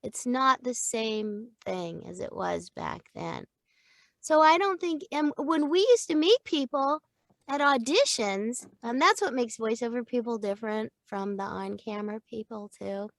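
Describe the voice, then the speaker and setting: An older woman, a voice actor, chatting about her work in an animated, laughing way from a recording booth. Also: fairly high pitch, unhurried, gravelly, dry recording. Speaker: voice actor guest. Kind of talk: casual interview chat. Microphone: studio microphone.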